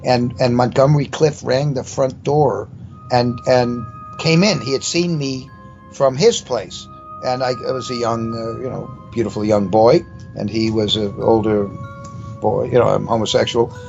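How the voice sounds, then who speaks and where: A man's voice: medium pitch, steady tone, normal speed, gravelly, darkish tone. An older man from New York telling a casual, rambling anecdote, stammering and repeating words as he goes. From New York, USA. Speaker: interview guest telling a personal ghost story. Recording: dull lo-fi sound with faint music. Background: faint music.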